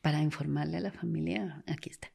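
A woman's voice: deep voice, fast, gravelly, breathy edge. A woman, a forensic doctor telling stories in an interview and acting out the voices of the people in them. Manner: animated, acts out quoted voices. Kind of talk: storytelling interview.

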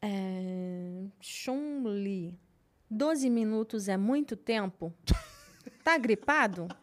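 Slow woman reading viewer questions. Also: mid-range voice, expressive. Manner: reads viewer names and questions aloud. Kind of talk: casual live-stream chat.

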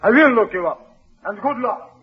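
A war-weary German soldier with a good heart, speaking earnestly in a fairly high, husky voice. The sound is a dull, muffled old radio broadcast. It has the stagey feel of a 1940s radio play. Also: male voice, lively intonation, moderate pace, faint music behind, full character voice. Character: kindly German sentry, middle-aged man, weary of war. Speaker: actor in a radio drama.

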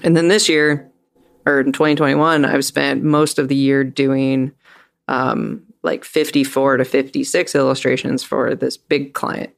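A man who works as an illustrator, co-hosting a podcast in a relaxed, filler-heavy way. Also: mid-range voice, unhurried, gravelly. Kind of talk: casual chat.

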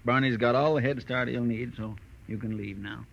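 Gravel-voiced American heavy played by a man, big, fat and smugly mock-friendly, on a dull old radio recording. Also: medium pitch, steady tone, normal speed, lightly acted. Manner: drawling, chuckling, mock-friendly. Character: huge fat male underworld tough, smug and chuckling. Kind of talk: 1940s radio crime drama acting.

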